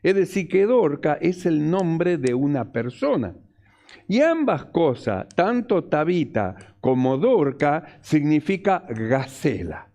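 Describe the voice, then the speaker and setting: A man's voice: on the high side, very animated, slow, warm tone. A male pastor, preaching a sermon emphatically and repeating his key phrases.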